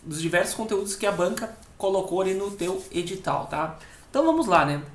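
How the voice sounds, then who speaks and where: A Portuguese teacher for civil service exams, a man with a southern Brazilian accent from Rio Grande do Sul, explains an exam-prep lesson step by step, tagging nearly every phrase with a quick check-in question. His voice is high with lively intonation, and he repeats key words slowly for emphasis in an echoey room.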